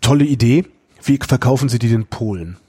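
A man's voice: medium pitch, a little fast, mellow, breathy edge. A man from the Rhineland interviewing a guest, asking probing questions and giving short agreeing replies. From Rhineland, Germany. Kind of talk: conversational interview.

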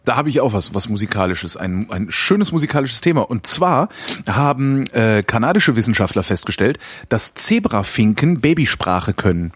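A man in casual chat, telling a story with lively energy and often searching for words. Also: medium pitch, moderate pace, slightly rough, no room sound.

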